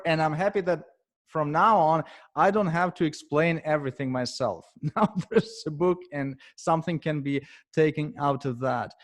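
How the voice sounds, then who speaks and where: A man with a Ukrainian accent and a voice on the high side presents to a professional meetup as both speaker and author. He talks in a measured way, pausing often and using filler sounds.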